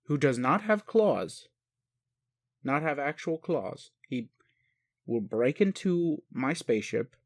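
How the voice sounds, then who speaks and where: A man playing a bemused, gentle and naive male alien caregiver in an intimate roleplay audio, speaking hesitantly and haltingly. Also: mid-range voice, no echo, studio quality. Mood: incredulous. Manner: hesitant, puzzled, halting, sighing. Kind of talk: intimate one-sided roleplay audio acting.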